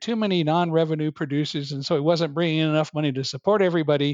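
With ordinary pitch variation, a man talks in an ordinary speaking voice. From California. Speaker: author and public speaker. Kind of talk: interview.

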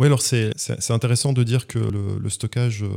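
Here is a man with a medium-pitched voice and a dark, mellow tone. His intonation stays fairly even. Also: very clean recording, silent background. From France, Alsace. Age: 40s. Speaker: startup founder and CEO. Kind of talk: interview. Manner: hesitant with repetitions.

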